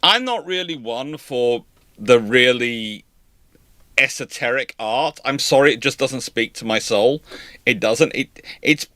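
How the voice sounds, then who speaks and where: A man's voice: medium pitch, lively intonation, measured pace, sharp tone, dry recording, studio quality. A man with a Scottish accent hosting a live naval history Q&A, chatty and rambling, laughing at his own jokes. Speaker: naval history channel host. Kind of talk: casual live Q&A chat.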